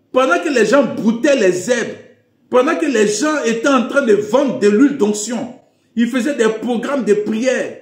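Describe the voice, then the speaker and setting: A man's voice: very high-pitched, a little mellow. A man preaching as a self-styled prophet, declamatory, with emphatic repetition. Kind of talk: preaching address. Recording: echoey room.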